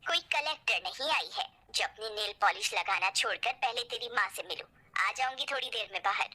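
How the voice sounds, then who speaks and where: Sneering middle-aged mother-in-law in a storybook tale, bright voice, a woman doing her. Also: mid-range voice, lively intonation, brisk. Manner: sneering, contemptuous.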